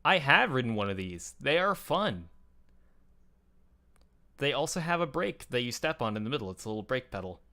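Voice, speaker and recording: A man's voice: medium pitch, sing-song, normal speed, pauses often, sharp tone. A man chatting casually and explaining things in a conversational, enthusiastic way, as a show host.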